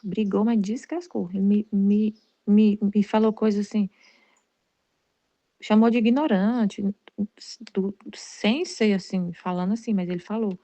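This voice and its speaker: A woman's voice: medium pitch, warm tone, no echo, lo-fi sound. A Brazilian woman giving a casual personal faith testimony, rambling with many restarts and repeated words. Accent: Brazilian Portuguese. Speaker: Catholic study group leader.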